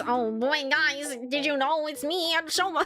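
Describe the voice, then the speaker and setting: A put-on character voice sounds high and nasal. Clear music plays in the background. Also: moderate pace. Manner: goofy, exaggerated.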